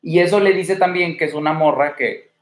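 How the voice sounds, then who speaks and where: A man's voice: fairly high pitch, normal speed. Blunt, swaggering Mexican man. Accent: Mexican Spanish. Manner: blunt, crude and swaggering, lots of slang and rhetorical questions. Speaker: dating advice livestream host. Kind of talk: casual livestream advice talk. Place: indoor room at home. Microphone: streaming from home.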